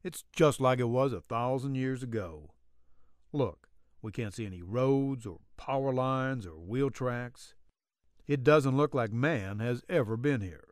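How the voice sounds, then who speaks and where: Man reading as a plain-spoken young cowboy, mid-pitched. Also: measured pace, no echo, clean studio sound, natural voice. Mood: tender, earnest. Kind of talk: audiobook character dialogue.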